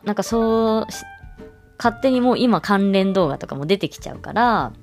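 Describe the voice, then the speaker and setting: A woman's voice: fairly low pitch, a little mellow. A young woman hosting a casual solo podcast, chatting loosely with many fillers and frequent little laughs. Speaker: podcast host.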